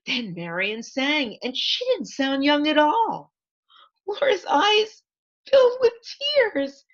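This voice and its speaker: A woman author reading her picture book aloud to children in an expressive storytime manner, with asides to point things out. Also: high voice, slow pace, lo-fi sound. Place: online library event.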